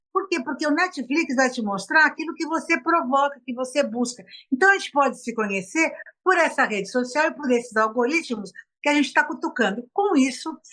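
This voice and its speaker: A woman speaks in a raised, projected voice with a bright, sharp tone. Her pitch is high and her intonation lively, at a moderate pace. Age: 70s. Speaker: motivational speaker. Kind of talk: interview. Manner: conversational with hesitations.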